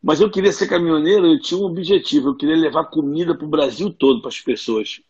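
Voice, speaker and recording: A man's voice: a little high, quick pace, a little mellow, breathy edge, dull audio. A man from Rio de Janeiro with a Carioca accent, a chatty guest telling stories on a video call. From Rio de Janeiro, Brazil. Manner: chatty storyteller, laughs often. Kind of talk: casual video-call interview.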